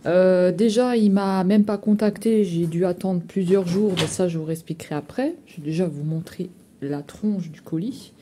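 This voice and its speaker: A woman's voice: fairly low pitch, moderate pace, dark tone, a little hiss or hum. A woman in her thirties chatting casually in a home vlog from her kitchen, rambling with lots of fillers and slang. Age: 30s. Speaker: vlogger.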